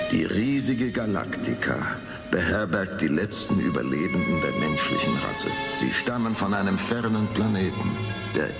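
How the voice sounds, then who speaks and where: Male TV intro narrator, portentous and dramatic, deep register with sweeping intonation, over loud score. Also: vocal fry. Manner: solemn, portentous. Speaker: narrator of a science-fiction TV series intro. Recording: old TV soundtrack with loud music.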